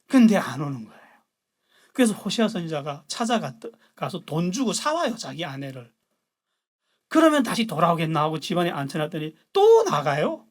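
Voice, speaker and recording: A pastor giving a sermon, retelling scripture in a blunt, colloquial way, jumping between loud outbursts and hushed asides. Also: mid-range voice, big pitch swings, normal speed.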